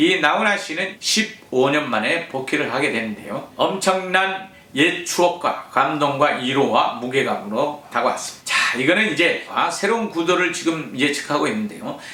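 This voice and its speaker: Noticeable background noise runs under this man's voice. He speaks at a moderate pace with very wide pitch swings. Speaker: opera tenor and vocal coach. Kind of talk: music analysis commentary to camera.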